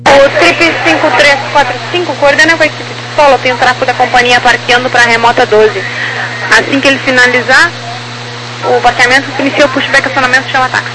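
A high-pitched female voice comes over a walkie-talkie style radio with clear background noise. She is an air traffic ground controller, reading out procedural instructions in a terse, businesslike way. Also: fairly even intonation, fast. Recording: noisy radio transmission, vehicle-like background noise.

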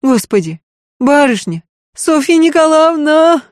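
A woman reading an audiobook voices a fussy, tearful peasant maidservant who laments in a rapid, folksy rush. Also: fairly high pitch, no room sound, studio quality, pitched above the performer's own voice, natural voice. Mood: wailing fuss.

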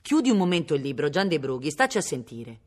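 A woman voicing rough young men who bully a bandit, insistent and taunting. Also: low voice, very animated, quick pace, a little mellow.

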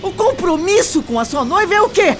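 A woman's voice: extremely high pitch, very animated, a little fast, faint music behind. An actress in a radio drama playing a decent young female shop clerk who protests and pleads emphatically. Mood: indignant.

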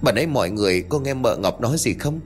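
A man voicing a sensible young woman who reasons calmly. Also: mid-range voice, fast talker, soft background music, natural voice. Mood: reasoning. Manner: calm, reasoning.

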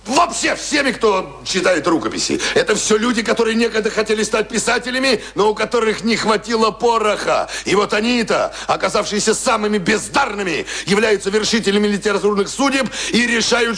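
An actor playing a passionate, embittered young writer in a Russian radio play, declaiming proudly and scornfully in long tirades. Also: male voice, sits high, creaky, fairly bright tone, husky, heavily acted.

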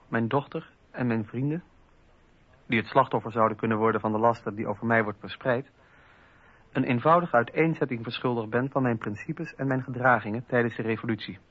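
An actor playing a dignified, formal French revolutionary philosopher who is persecuted, in a radio play. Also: male voice, medium pitch, husky, lightly acted. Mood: grave, resolved. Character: dignified persecuted male French philosopher-politician defending his principles. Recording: slightly dull radio recording.

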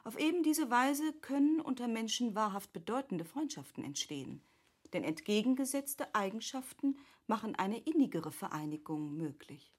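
Gracious period lady, husky voice. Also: a little high, very animated, moderate pace, a little mellow. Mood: thoughtful, engaged. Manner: polite, formal, thoughtful. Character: gracious, articulate, curious lady of Goethe's era. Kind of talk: classic German radio play acting.

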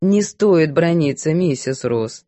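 A woman voicing a composed, firm governess who speaks calmly and evenly, a little lower. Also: no room sound. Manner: calm, measured, composed. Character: calm, firm older English governess.

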